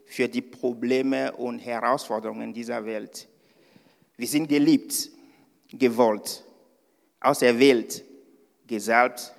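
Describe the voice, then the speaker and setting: A male guest preacher delivers his sermon at an unhurried, deliberate pace, pausing often on fillers and restarting phrases. He sounds a little nervous. His voice carries a long reverb, as in a church hall. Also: medium pitch, creaky. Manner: hesitant, with many fillers and restarts. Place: church service.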